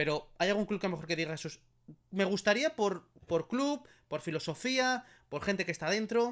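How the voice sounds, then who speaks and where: Against a quiet background, a man with a high voice talks at a moderate pace with lively intonation. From Spain. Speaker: gaming YouTuber interviewer; interviewer host. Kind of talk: interview.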